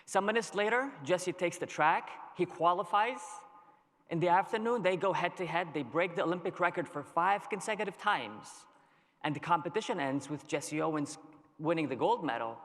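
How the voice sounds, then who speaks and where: A man from Lebanon giving a conference keynote, telling a story in a measured way with dramatic pauses. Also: a little high, fairly bright tone. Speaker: keynote speaker. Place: large conference hall. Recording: long reverb of a large hall.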